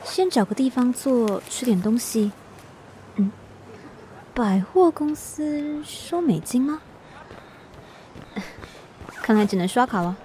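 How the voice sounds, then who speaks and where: A woman's voice: a little high, lively intonation, slow pace, pauses often, warm tone, slight background noise, poor audio. An actress with a Taiwanese accent playing a weary, independent young woman in a radio drama, musing to herself. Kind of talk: radio drama acting, inner monologue.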